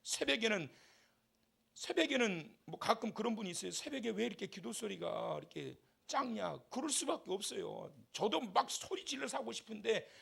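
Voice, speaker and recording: Male pastor at a revival service, lively animated pitch, shouts then drops to soft asides, leads the congregation in call-and-response. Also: normal speed, vocal fry, slightly rough. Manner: impassioned, shifts between shouting and soft asides. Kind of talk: revival sermon. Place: church sanctuary.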